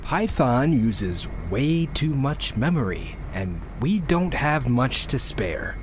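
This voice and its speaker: A man's voice: mid-range voice, very animated, slow pace, slight background noise. A man playing a geeky, exasperated rocket programmer who rambles and swears through a casual audio log in a sci-fi drama. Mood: grumbling. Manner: rambling, self-interrupting, swearing.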